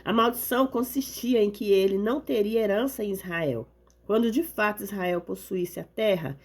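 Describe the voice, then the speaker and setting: A hoarse woman, giving an earnest devotional talk and reading the Bible aloud. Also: mid-range voice, moderate pace, darkish tone. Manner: earnest, repetitive exhortation with tag questions. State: hoarse from a cold. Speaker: lay preacher.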